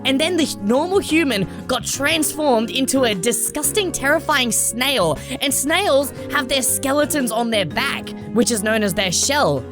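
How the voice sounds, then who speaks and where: A woman hosting a gaming video, giving excited lore commentary in an exclamatory, dramatic and emphatic way. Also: high-pitched, measured pace, hardly any pauses. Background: background music.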